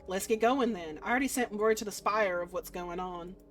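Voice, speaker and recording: A woman's voice: mid-range voice, fairly quick, faint music behind, close to an everyday voice. A woman voicing a cold, aloof god in a visual novel, speaking in a curt and imperious way. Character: cold, commanding, aloof young god of Limbo.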